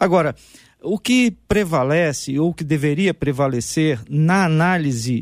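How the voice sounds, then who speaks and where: Over a very clean recording with a silent background, a man speaks very slowly with lively intonation in a dry, close sound with no echo. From Minas Gerais, Brazil (Jequitinhonha Valley). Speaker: pastor. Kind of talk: radio panel debate.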